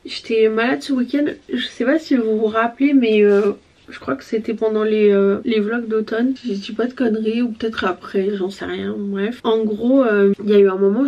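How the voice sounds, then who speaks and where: A young woman, chatting casually while she gets ready, rambling with many fillers, her voice a bit hoarse after being ill. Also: on the high side, darkish tone. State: slightly hoarse voice after illness. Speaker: vlogger.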